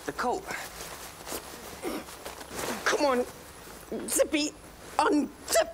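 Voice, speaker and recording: A bubbly, invisible young time traveller, her voice very high and bouncing about, words stretched slowly. Light music runs behind her. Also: big pitch swings, background noise, exaggerated voice. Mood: flustered. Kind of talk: children's TV comedy acting.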